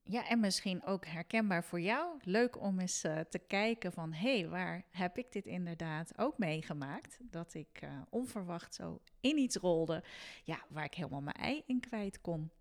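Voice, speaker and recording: A woman's voice: fairly low pitch, lively intonation, unhurried. A woman hosting a podcast in a conversational presenting style. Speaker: podcast host. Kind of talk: conversational podcast presenting with short read-aloud story.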